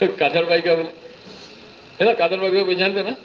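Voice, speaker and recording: A man giving an animated, storytelling sermon and mimicking the people in his stories. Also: high-pitched, moderate pace. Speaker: preacher giving a religious talk. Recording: slightly muffled recording with faint hiss.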